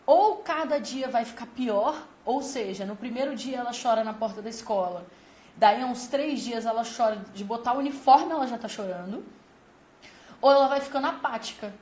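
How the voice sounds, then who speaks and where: A woman hosting a parenting channel gives advice to parents, speaking emphatically and explaining through vivid comparisons. Her voice is a little high and a little mellow, at a moderate pace, recorded with roomy echo and faint ambience.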